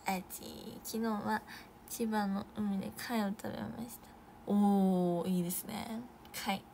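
A young Japanese idol woman chatting casually on a live stream, reading viewer comments with bursts of excitement and soft asides. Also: medium pitch, slow pace, gravelly, slight background noise.

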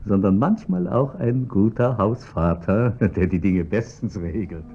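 A man's voice: on the low side, lively intonation, unhurried, loud music behind the voice. An actor playing a self-satisfied wealthy pharmacist and businessman, jovial and chuckling, in a radio drama. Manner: jovial, chuckling, pleased with himself. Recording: dull lo-fi recording, faint hiss.

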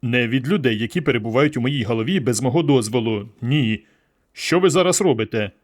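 A man's voice: medium pitch, lively intonation, fairly quick, close to an everyday voice. Man reading as a nervous, protesting guy, everyday voice, flustered. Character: anxious flustered young man.

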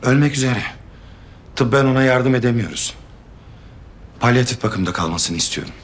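An actor playing an earnest doctor who explains things in a calm, measured way in a hospital drama. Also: male voice, mid-range voice, close to an everyday voice. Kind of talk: Arabic-dubbed hospital drama.

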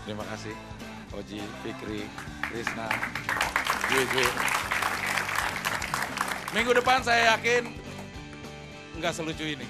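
A man's voice: mid-range voice, takes it slowly, pauses often. A middle-aged man hosting a stand-up comedy show on stage, joking and teasing the comics. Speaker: host. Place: TV studio stage with live audience. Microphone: handheld mic. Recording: loud crowd and music behind. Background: loud audience laughter and music.

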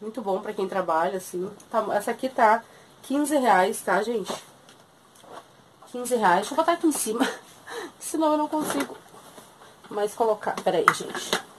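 A woman's voice: on the high side, lively intonation, normal speed, long pauses, a little hiss or hum. A woman in her thirties with a southern Brazilian accent, chatting casually as she shows and prices secondhand clothes in a small shop. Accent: southern Brazilian Portuguese. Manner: chatty, keeps calling viewers "gente". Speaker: thrift shop seller. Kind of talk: casual sales video.

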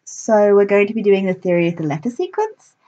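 A woman's voice: mid-range voice, sing-song, fairly quick, dark tone, muffled recording, lightly acted. A woman playing an earnest young actress.

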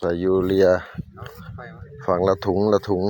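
A man's voice: low-pitched, level tone, measured pace, a little mellow, slight background noise. A man with a northeastern Thai Isan accent, chatting casually as a farmer filming a vlog. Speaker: farmer vlogger.

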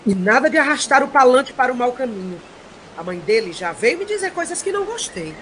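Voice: sits high, big pitch swings, brisk, a bit bright, a little hiss or hum, rough recording. An actor with a Brazilian accent playing an earnest, nagging heroic father in an audio drama. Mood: admonishing. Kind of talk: comic audio drama acting.

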